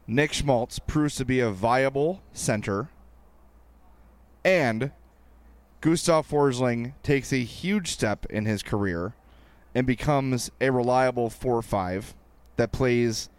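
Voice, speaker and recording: A man co-hosting a casual sports podcast, talking in a wry, joking manner. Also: medium pitch. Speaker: podcast co-host.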